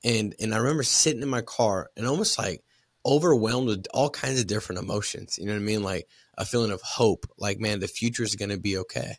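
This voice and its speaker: Very fast talk from a man at a medium pitch, with ordinary pitch variation, in a dry sound with no echo and a quiet background. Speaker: podcast host. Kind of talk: casual interview. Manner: animated. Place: studio. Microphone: studio mic.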